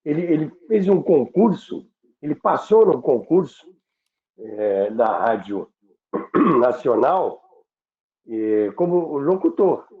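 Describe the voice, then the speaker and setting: A man's voice: on the high side, very animated. Older Rio man, roomy phone-like sound. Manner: halting, repeats words, unhurried. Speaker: radio veteran and program host. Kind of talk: reminiscing conversation about radio history.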